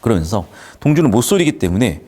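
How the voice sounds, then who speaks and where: Male tutor, lively swooping delivery, playful classroom lecturer. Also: fairly low pitch, fast talker. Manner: lively, jokey, acts out characters' lines. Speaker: Korean literature tutor. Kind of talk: classroom lecture explaining a screenplay.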